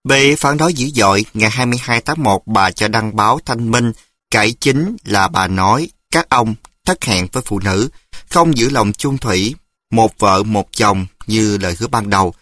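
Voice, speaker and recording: A man's voice: lowish voice, expressive, moderate pace, bright, forceful tone, no echo. Man reading an audiobook, dry and close. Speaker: audiobook reader. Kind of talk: audiobook narration of an essay.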